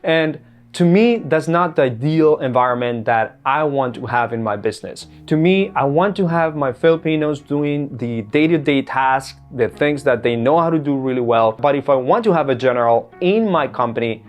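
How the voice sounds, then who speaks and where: A man from Colombia talks business straight to camera in an earnest, persuasive way. His voice sits at an ordinary pitch for a man. Soft guitar music plays quietly behind him. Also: animated, normal speed. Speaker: business owner. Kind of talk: direct-to-camera business talk. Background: faint guitar music.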